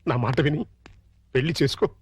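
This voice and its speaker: A man's voice: on the high side, brisk, a little mellow, slightly rough. An older actor playing a fussy grandfather in a film comedy, blustering and pleading by turns. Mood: earnest pleading. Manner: blustering, pleading then bargaining. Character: anxious older man, father-in-law and moneylender.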